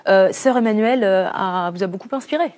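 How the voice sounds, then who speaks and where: A woman presenting the evening news, interviewing a guest in the studio in a measured way with a few hesitations. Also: mid-range voice, a little mellow. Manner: measured, poses questions with some hesitation.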